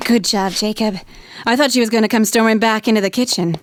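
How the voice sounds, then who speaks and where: Woman playing an anxious, high-voiced mother. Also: fairly even intonation, fast talker, noisy background, natural voice. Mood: uneasy. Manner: tender, imploring. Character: anxious, pleading, loving middle-aged mother. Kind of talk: audio drama acting. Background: music.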